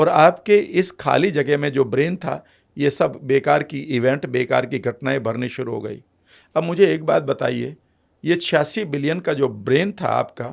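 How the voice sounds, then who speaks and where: The voice shows vocal fry. Its pitch variation is ordinary. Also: man, fairly high pitch for a man. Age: 60s. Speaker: health expert. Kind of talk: podcast interview.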